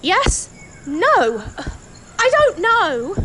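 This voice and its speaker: A woman's voice: extremely high pitch, big pitch swings, drawn-out words, sharp tone, slight background noise, exaggerated voice, low-quality recording. A woman playing a sincere, troubled and hesitant young princess in an amateur audio drama. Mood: shaken.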